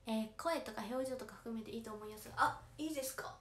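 A woman's voice: on the high side, quick pace, a bit bright. A teenage girl with a Kansai accent chatting on a livestream, reading viewer comments aloud and politely answering them. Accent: Kansai Japanese. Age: late teens. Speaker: idol audition candidate livestreaming to fans. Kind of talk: casual livestream chat. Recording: roomy, faint background noise.

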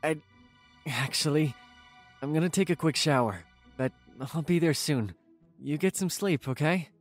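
A man acting as an evasive boyfriend in an audio drama. His voice is hushed and halting, with music underneath. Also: on the high side, close to an everyday voice. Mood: evasive, placating. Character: evasive boyfriend creeping home late at night.

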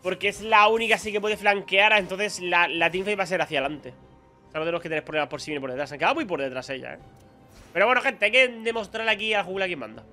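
A high-pitched, very bright and sharp male voice, talking through a match in quick, excitable bursts and taunting the enemies. Faint music plays underneath. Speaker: gaming YouTuber. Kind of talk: live gameplay commentary.

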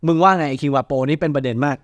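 A man hosting a movie news show in casual chat, blunt, slangy and excitable. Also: on the high side, rapid-fire, dry recording, muffled recording.

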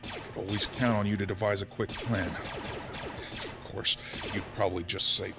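A man's voice: lowish voice, steady tone, normal speed, vocal fry, music in the background. A man playing a grumbling, sardonic war-veteran rebel colonel in a fan-made sci-fi audio drama. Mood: rueful, tense.

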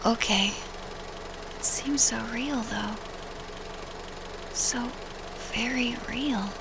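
Woman acting a high, halting, shaken young woman. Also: gravelly, noisy background, exaggerated voice. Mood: insistent, wondering. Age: young adult. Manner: halting, hesitant. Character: shaken, earnest young woman, crash survivor.

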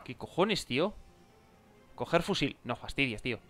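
A man's voice: mid-range voice, very animated, moderate pace, fairly bright tone, faint music behind. A young man with a Spain Spanish accent commenting his gameplay, exclaiming and joking, improvising mock chatter with game characters. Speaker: gameplay video creator.

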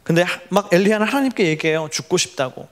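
A man's voice: high voice, fast talker. A young adult man preaching a sermon to college students, telling stories with animation and having the congregation repeat words after him. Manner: animated storytelling, leads the congregation in call-and-response. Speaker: pastor.

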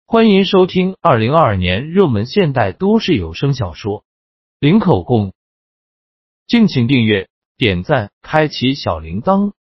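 A male announcer delivers a promotional intro with lively swings of pitch. The recording is dull and lo-fi. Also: measured pace, breathy edge, dry recording.

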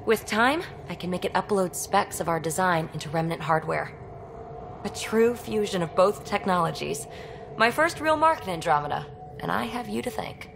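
A woman's voice: lowish voice, expressive, moderate pace, creaky, noisy background. A woman playing a young, impulsive alien explorer in a video game, wry, casual and earnest. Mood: hopeful. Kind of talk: video game cinematic acting.

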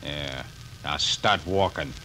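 An actor playing a menacing armed car thief who barks threats, in 1940s radio acting on a hissy old recording. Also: male voice, rumbling low, slow, bright, forceful tone, heavily acted. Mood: threatening. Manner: threatening, barking orders.

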